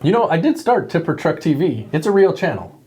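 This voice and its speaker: A man's voice: fairly high pitch, big pitch swings, a little fast, a little mellow, husky. Chatty man reading viewer comments. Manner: chatty, laughs often, reads comments aloud in a playful tone. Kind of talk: casual chat.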